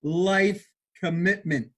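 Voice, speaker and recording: A man's voice: high voice, takes it slowly. A man hosting an interview, enthusiastic and affirming toward his guest. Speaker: interview host. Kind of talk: casual interview talk.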